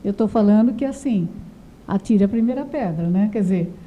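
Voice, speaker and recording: A woman calmly explaining points in a panel chat. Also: medium pitch, moderate pace, a little hiss or hum. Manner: reflective, explanatory. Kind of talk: casual discussion.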